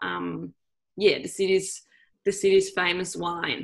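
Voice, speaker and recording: The speaker is a woman. She talks with a German accent. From Austria. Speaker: tourism marketing manager. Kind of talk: presentation. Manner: hesitant, many fillers.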